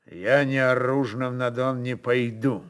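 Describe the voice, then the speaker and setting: Мужчина играет дерзкого казачьего атамана, говорит размеренно. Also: male voice, medium pitch, fairly even intonation, takes it slowly, close to an everyday voice. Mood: serious, pressing. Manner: mock-humble, theatrical, commanding. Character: bold, mocking Cossack chieftain, sturdy and forceful.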